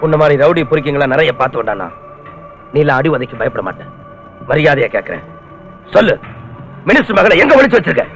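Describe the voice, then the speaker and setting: Bullying cop, taunting, aggressive, lively pitch, film music. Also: male voice, quick pace, pauses often, rough recording. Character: bullying hot-tempered male police officer. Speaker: police officer. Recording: film soundtrack with clear music.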